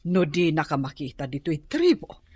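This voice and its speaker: A woman's voice: low voice, sing-song, normal speed, a little mellow, slightly rough, no echo, clean studio sound, full character voice. A woman playing a fretful, protective mother in a tribal radio drama, pleading with worry. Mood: worried.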